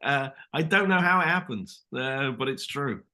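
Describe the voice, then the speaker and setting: Bright-voiced British actor, animated. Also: male voice, medium pitch, normal speed. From Britain. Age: 30s. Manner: animated storyteller, acts out quotes. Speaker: actor guest. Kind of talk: casual interview chat.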